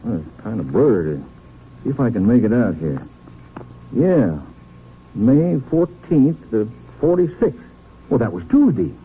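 Folksy sheriff, voice swings up and down, suspicious, crackly tinny old radio. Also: male voice, medium pitch, sing-song, unhurried, long pauses. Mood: puzzled, musing. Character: folksy small-town Texas sheriff, plain-spoken and suspicious. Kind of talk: 1950s radio western acting.

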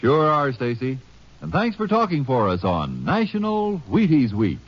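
A man's voice: fairly high pitch, wildly swooping pitch, normal speed, very noisy. A man working as a radio announcer, delivering a sponsor spot in 1950s broadcast style. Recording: dull old radio broadcast recording.

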